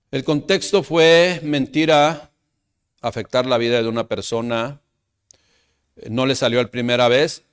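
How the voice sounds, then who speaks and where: A man, preaching a sermon to his congregation, calling them brothers, asking rhetorical questions, and moving between loud emphatic lines and quiet trailing asides. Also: mid-range voice. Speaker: pastor.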